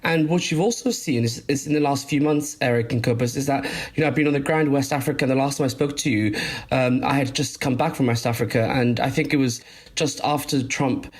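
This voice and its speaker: A man in the middle of a panel discussion, laying out what he found in his reporting. His voice sits at an ordinary middle pitch, and he talks in a measured, explanatory way with frequent small fillers. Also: slightly rough.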